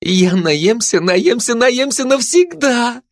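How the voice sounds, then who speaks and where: A man voicing a gluttonous, excitable female dog who squeals and rambles dreamily about food, in a dry close recording. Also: very high voice, slow pace, dry recording, pitched above the performer's own voice, heavily acted. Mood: eager.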